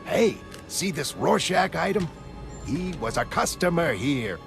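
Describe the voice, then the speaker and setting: A man playing a gruff, chatty older newsstand vendor with street talk. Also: on the high side, very animated, a little slow, exaggerated voice. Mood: grumbling. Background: music.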